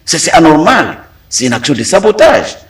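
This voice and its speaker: A Congolese man speaking as a political analyst in a debate, deliberate and emphatic, pausing often to hesitate. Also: a little high, big pitch swings, distant mic. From Democratic Republic of the Congo. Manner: deliberate, frequent hesitations, rising emphatic stresses. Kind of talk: studio debate commentary.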